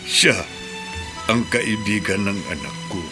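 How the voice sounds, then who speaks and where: An actor playing a grieving, gentle middle-aged Muslim man in a radio drama, talking slowly and sorrowfully. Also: lowish voice, expressive. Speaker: neighbor. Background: background music.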